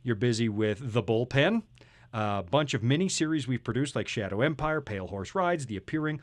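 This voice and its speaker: A man's voice: medium pitch, expressive, normal speed, no room sound. A man from Canada hosting a radio interview with jovial, teasing banter. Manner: teasing, joking. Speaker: radio host.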